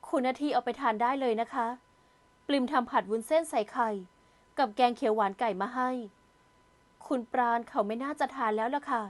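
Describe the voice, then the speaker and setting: A woman's voice: a little high, fairly even intonation, a little fast, lightly acted. A woman voicing a hurt, stubborn young woman. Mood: hurt polite. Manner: polite, sulky and cutting.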